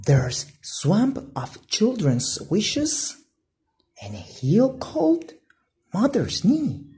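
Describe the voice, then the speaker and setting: A woman voicing an excited, adventurous young boy explorer in a storybook, with hushed, urgent eagerness. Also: mid-range voice, drawn-out words, voice pushed up, heavily acted. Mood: excited, secretive.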